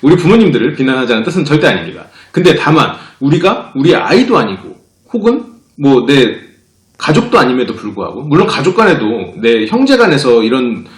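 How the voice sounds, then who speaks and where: Lively Korean man lecturing in a roomy space. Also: mid-range voice, fairly quick. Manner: lively, acts out quoted speakers. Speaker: psychology channel director and lecturer. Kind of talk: explanatory talk to camera. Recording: roomy echo.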